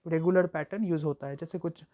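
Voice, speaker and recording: A young woman tutor giving an exam-prep lecture, explaining at length with frequent fillers and slowing down to read example sentences aloud. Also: low-pitched, fairly even intonation, dark tone. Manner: reads English examples slowly and deliberately. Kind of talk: exam-prep lecture mixing Hindi and English.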